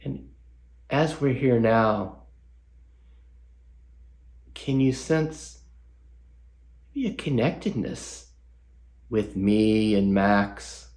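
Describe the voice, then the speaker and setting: A man leading a guided meditation as a guest teacher, speaking gently with long pauses and reflective questions. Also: on the low side.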